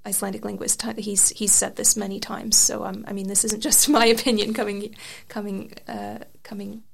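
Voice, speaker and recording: Woman with a gravelly, creaky voice. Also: medium pitch, flat delivery, moderate pace. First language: Serbian. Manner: thoughtful, frequent restarts and fillers. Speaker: interview guest, article author. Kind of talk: conversational interview.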